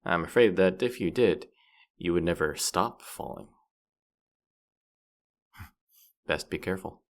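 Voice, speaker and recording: A man's voice: low-pitched, unhurried. A man playing a playful, boastful demon guide to the afterlife in a roleplay audio drama, with a smug, teasing, theatrical delivery. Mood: taunting, amused.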